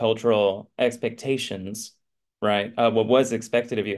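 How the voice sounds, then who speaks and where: A man with a normal speaking voice and an American accent, medium in pitch, at a moderate pace against a quiet background. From United States. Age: 30s. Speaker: podcast host. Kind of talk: interview.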